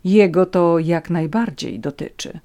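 A woman's voice: fairly low pitch, measured pace, dark tone. A woman voicing a proud young woman who answers with bitter defiance. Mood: defiant.

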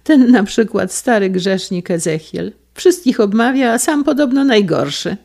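A woman voicing a gossipy, sharp-tongued, pious elderly lady in a storybook reading, with a shrill, scandalized manner. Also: expressive, a little slow, vocal fry.

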